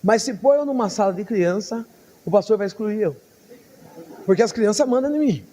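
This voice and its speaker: A woman pastor preaching a sermon, telling her story with lively, acted-out dialogue and frequent laughs. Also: mid-range voice, normal speed, big-room sound, a little hiss or hum. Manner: laughs often between phrases.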